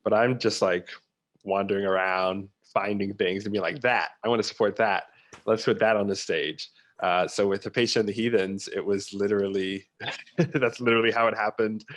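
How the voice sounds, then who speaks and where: Low-voiced man, casual interview guest. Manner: anecdotal, voices quoted asides within explanations. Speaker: theatre producer, interview guest.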